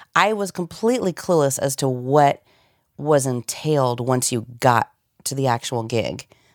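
Animated and lively in intonation, a woman with an American accent speaks in a very deep, low voice at a moderate pace. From San Diego, California. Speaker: voice actor and live announcer. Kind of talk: interview.

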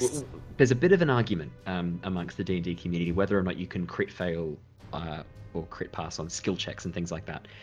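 With a strong Australian accent, the speaker goes at a fairly quick pace with ordinary pitch variation and big swings in loudness, music playing in the background. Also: man, very deep, low pitch for a man. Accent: broad Australian. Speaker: Dungeon Master and podcast host.

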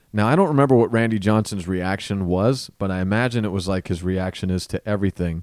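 A man speaks at a very fast pace with ordinary pitch variation in a very clean recording, silent in the background, with a dry, close sound and no echo. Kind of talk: casual comedic chat. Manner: joking, boastful.

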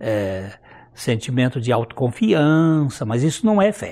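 Background sound is quiet. The talking goes at a very slow pace. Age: 70s. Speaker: TV preacher. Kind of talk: sermon.

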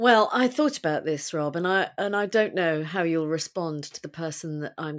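A woman with an ordinary speaking voice and ordinary pitch variation. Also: very clean recording, silent background. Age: 50s. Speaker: voice and presence coach. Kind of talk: interview.

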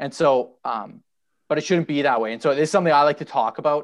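Against a quiet background, a man with a Canadian accent talks very fast with ordinary pitch variation. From Canada (Ottawa). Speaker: campus ministry worker. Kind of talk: casual interview.

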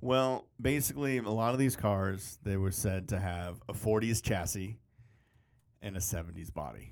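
In a very clean recording with a silent background, a man talks in an ordinary speaking voice, fairly low in pitch, at a moderate pace with ordinary pitch variation. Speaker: podcast host. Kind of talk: casual chat.

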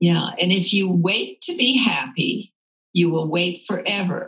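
A woman's fairly low voice with vocal fry and lively intonation at a very slow pace. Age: 70s. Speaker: artist and children's book author. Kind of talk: interview.

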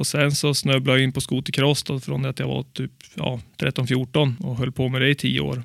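In a very clean recording with a silent background, a man speaks with vocal fry and hardly any pauses. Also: medium pitch for a man, fairly even intonation, moderate pace. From Sundsvall, northern Sweden. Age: 30s. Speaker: snowmobile shop owner. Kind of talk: casual chat.

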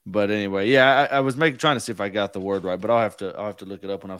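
A man talks with a fairly low pitch and ordinary pitch variation. There is a very clean recording and a silent background. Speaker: podcast co-host. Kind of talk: casual chat.

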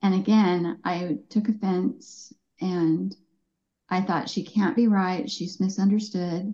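The soft-spoken, somewhat breathy voice has a dark, mellow tone and ordinary pitch variation, moving at a very slow pace over a quiet background. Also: woman. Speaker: abuse survivor and speaker. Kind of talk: interview.

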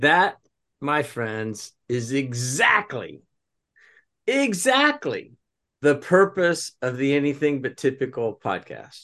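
A man with a fairly high pitch and a bright, sharp tone speaks at a very slow pace with lively intonation. The background is quiet. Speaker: podcast host. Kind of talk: interview.

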